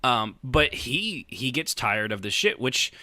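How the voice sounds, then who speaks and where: A man's voice: mid-range voice, big pitch swings, measured pace, sharp tone, no room sound. A man hosting a casual podcast discussion, rambling and stammering as he works through his thoughts, swearing casually. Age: 30s or 40s. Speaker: podcast host. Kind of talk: casual panel chat about online roleplay.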